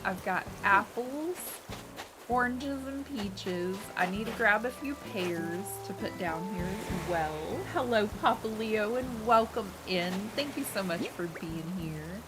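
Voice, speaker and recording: A woman chatting casually with her live-stream viewers as she plays, friendly and quick to laugh, her voice a little nasal from a cold. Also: medium pitch, background noise. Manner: chatty, friendly, thanks chat often, laughs a lot. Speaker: game streamer. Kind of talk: casual live-stream chat while playing. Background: loud game music.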